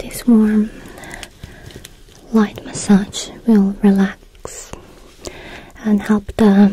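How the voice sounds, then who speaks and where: Whispering, a woman speaks in a soothing tone. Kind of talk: soft-spoken role-play talk to the viewer. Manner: soft, slow, soothing ASMR voice. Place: home room. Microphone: studio mic.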